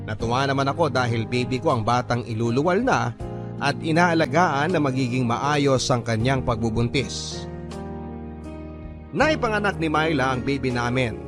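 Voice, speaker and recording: A man's voice: mid-range voice, animated, normal speed. A man reading a first-person love story as scripted narration in a radio drama style. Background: music under the voice.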